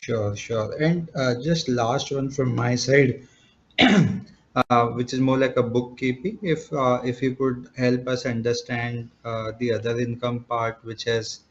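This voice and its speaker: A man's voice: mid-range voice, fairly even intonation, takes it slowly. A man asking business questions as an analyst on an earnings call, politely and somewhat hesitantly, in a roundabout way. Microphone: conference call line. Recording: dull conference phone line, noisy background.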